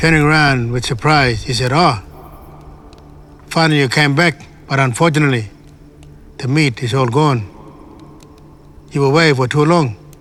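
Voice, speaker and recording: With noticeable background noise, a man speaks at a fairly high pitch, ordinary pitch variation and long, frequent pauses. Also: moderate pace. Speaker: storyteller. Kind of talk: traditional bedtime story telling. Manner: casual, conversational.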